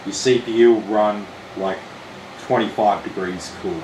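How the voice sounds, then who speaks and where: A relaxed Australian man with a slightly croaky, lowish voice explains a computer build step by step in a chatty live-stream manner. His voice carries a roomy echo. A steady air-conditioning hum runs behind him. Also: normal speed. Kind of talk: casual live-stream walkthrough.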